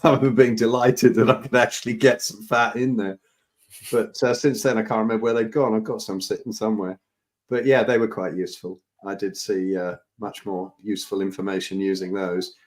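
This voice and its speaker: Lively stammering man on a call. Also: fairly low pitch. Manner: quick, lively, stammering restarts. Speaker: co-host on health Q&A. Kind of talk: live Q&A chat.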